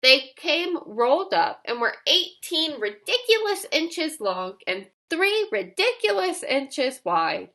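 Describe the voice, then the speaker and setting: Female storybook narrator, high and very lively in pitch, expressive scripted read-aloud for children with emphatic delivery. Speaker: storybook reader.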